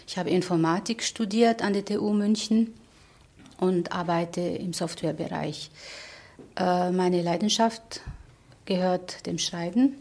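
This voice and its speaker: Slow, mellow woman. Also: on the low side. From Tunisia. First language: Arabic. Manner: hesitant, with filler sounds and repeats. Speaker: guest artist and writer. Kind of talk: radio interview self-introduction.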